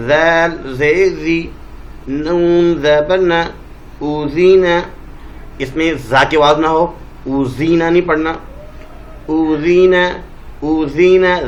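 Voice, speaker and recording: A man from Pakistan with a Pakistani Urdu accent, teaching Quran reading and sounding out letters and vowels slowly one by one. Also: on the high side, dull audio, a little hiss or hum. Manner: slow, drawn-out letter-by-letter sounding. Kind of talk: spelling-out recitation lesson.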